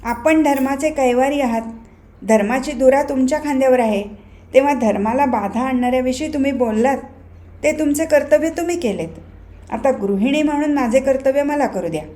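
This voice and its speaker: A firm, caring mother speaks earnestly in a storybook reading, as a woman narrator puts her on. Her voice sits high and clear. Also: brisk, mellow, lightly acted.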